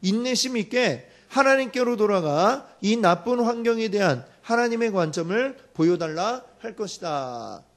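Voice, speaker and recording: A male pastor preaching a sermon, telling a story with lively acted-out quotes and asking the congregation questions. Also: sits high.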